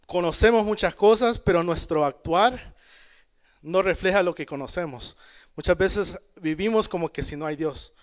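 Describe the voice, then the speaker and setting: A man leads a church Bible study, his voice pitched a little high and resonant. He talks to the congregation in an easy, conversational way. He calls out amen and checks in with his listeners as he goes. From El Salvador. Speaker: preacher. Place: church in Canada.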